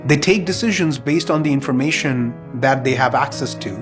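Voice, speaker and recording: A man giving documentary interview testimony in a deliberate, explanatory way, posing questions and then answering them. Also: medium pitch. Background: guitar music.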